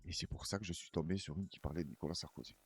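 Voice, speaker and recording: Male host, husky and low, loose rambling reaction talk. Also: rapid-fire. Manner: rambling, chatty, laughs often. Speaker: news commentary host. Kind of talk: casual reaction commentary.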